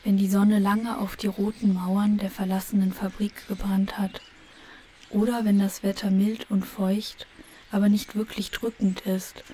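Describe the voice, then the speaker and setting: A woman giving a measured, contemplative literary narration for an audio play. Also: mid-range voice, mellow, slight background noise. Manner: measured, contemplative, with lingering repetitions.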